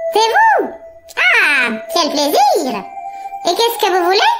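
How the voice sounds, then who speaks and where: Amid loud background noise, a woman puts on a squeaky character voice at an extremely high pitch, talking at a fairly slow pace. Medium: read story. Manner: friendly, knowing.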